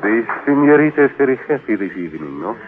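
An actor playing a superstitious, courtly gypsy violinist in a 1940s radio drama, formal and portentous in halting phrases, on a muffled recording. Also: male voice, mid-range voice, sing-song, vocal fry, very noisy.

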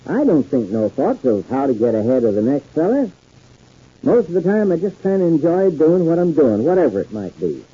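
An actor playing a folksy, good-natured older American uncle in a 1950s radio soap, with homespun, rambling country talk. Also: male voice, a little high, breathy edge. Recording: dull 1950s radio recording.

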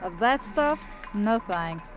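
A woman's voice: mid-range voice, lively intonation, slow, faint music behind. An actress playing a fed-up young showgirl with a cutting, sarcastic manner in a 1950s radio drama. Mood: scornful. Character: fed-up young woman showgirl, sharp-tongued. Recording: dull old radio recording.

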